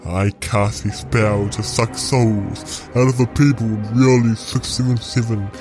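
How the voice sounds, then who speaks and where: A man voicing a gloating evil villain in an amateur audio roleplay, with grandiose, menacing, drawn-out phrasing. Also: fairly low pitch, level tone, music in the background, close to an everyday voice. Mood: triumphant. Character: gloating evil male twin villain bent on destroying reality.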